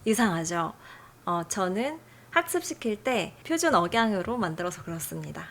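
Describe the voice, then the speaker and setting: A woman hosting a software tutorial, explaining settings in a friendly, chatty way. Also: medium pitch, very animated, normal speed, slight background noise. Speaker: tutorial host.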